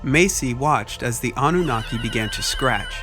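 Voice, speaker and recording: A man's voice: mid-range voice, animated, normal speed. A man reading scripted dramatic fiction as the narrator of a story. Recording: loud music under voice. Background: music.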